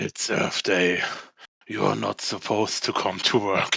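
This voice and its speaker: A man's put-on character voice, raspy and growling, fairly low in pitch and fairly slow, with a dry, close sound and no echo. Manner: gruff.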